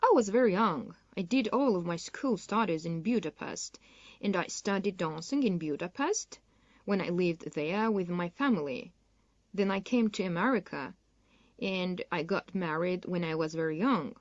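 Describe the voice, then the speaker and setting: A woman playing a dancer interviewed for a magazine in a scripted listening-exam dialogue, speaking in a clear, measured way. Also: on the low side, lively intonation, no echo, highs cut off, natural voice. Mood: polite. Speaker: interviewee in a textbook listening recording.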